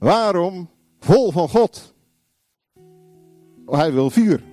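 Preacher man, lively delivery. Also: high-pitched, extremely slow, dry recording, soft background music. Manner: confrontational, acts out little dialogues, sudden shouts. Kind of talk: sermon.

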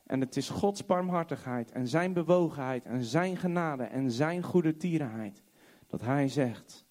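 A man preaching a sermon, reading scripture slowly and swinging from loud, high exclamations to hushed, low tones. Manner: reads scripture aloud slowly and emphatically.

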